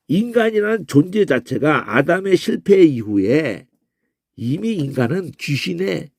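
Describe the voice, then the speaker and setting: A man teaching a Bible word-study lecture, animated, often breaking into a questioning "eh?" and imitating crow calls and shouts. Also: fairly high pitch, vocal fry, slightly rough, no echo, studio quality.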